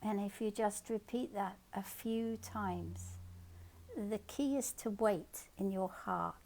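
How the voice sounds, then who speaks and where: A woman guides listeners through a meditation at a very unhurried pace. Her voice is mellow and carries a gravelly fry, and she gives soft instructions, repeating her phrases to settle the listener. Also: mid-range voice.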